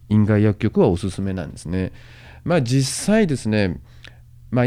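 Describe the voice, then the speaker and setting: Man lecturing with wildly swinging pitch. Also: warm tone. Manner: casual, with many fillers and sentence-final tags; speaks to the listeners directly, encouraging them. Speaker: host and medical management lecturer. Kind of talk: explanatory podcast lecture.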